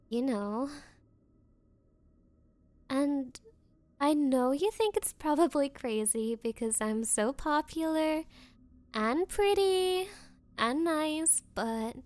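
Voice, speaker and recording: Bratty rich popular girl played by a woman, high voice, slow condescending drawl, smug and possessive, anime ASMR roleplay. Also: darkish tone. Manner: condescending valley-girl drawl with coy pauses.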